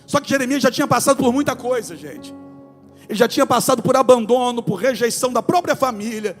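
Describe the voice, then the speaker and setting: A Brazilian man in his forties with a Rio de Janeiro accent preaches from the church pulpit, his high voice rising and falling between quiet asides and loud exclamations. Soft music plays faintly behind him. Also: quick pace, long reverb tail. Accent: Brazilian Portuguese, Rio de Janeiro state. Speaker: pastor. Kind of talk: sermon. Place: church sanctuary.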